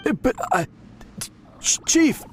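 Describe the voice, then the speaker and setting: A man's voice: takes it slowly, soft background music, natural voice. A man voicing a nervous, earnest tribal priest in a video game, stammering and easily flustered. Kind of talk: English video game voice acting.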